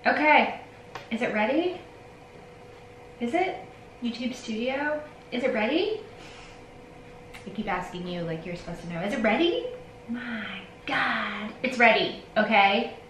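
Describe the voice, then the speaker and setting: Filming in a home nail studio stocked with shelves of polish, a woman in her forties chats to the camera in a rambling, self-mocking vlog. Her voice sits on the high side and is expressive and a bit bright, a little slow with frequent pauses. The low-quality recording carries room echo and a faint hiss or hum.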